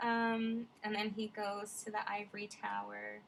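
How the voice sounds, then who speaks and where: A woman's voice: medium pitch, monotone, normal speed, vocal fry, slight background noise, low-quality recording. A woman vlogger musing in casual, rambling reflective commentary, digressing often with many fillers.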